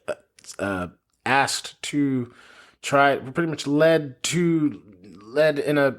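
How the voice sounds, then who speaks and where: A man co-hosting a podcast, talking casually and quoting films in put-on voices. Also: medium pitch. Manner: laughs often, quotes films in put-on voices. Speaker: podcast co-host. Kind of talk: casual chat.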